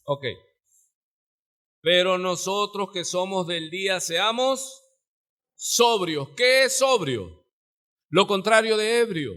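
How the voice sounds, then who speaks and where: A Mexican man preaching a live sermon as pastor in his church, swinging from sudden shouts to quiet asides. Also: high-pitched, animated, slow pace, long pauses. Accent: Mexican Spanish. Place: church sanctuary.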